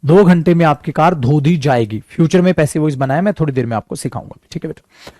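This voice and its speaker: A man's voice: a little high, warm tone, no echo. A man teaching spoken English with an Indian English accent, mixing Hindi and English and calling his students "beta". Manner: calls students "beta", mixes Hindi and English, slows right down for English examples. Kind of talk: bilingual classroom lesson.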